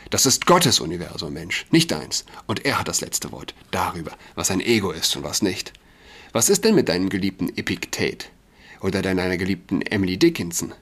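A man voicing a sharp-tongued young man lecturing his sister in an emphatic, impatient way, reading a novel aloud. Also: deep voice, big pitch swings, a little fast, heavily acted.

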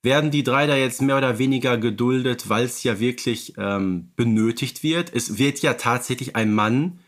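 A man's voice: mid-range voice, normal speed. Man, podcast co-host, hesitant, frequent fillers, casual chat. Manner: hesitant, many "äh" fillers, chatty. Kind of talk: casual podcast chat about radio plays.

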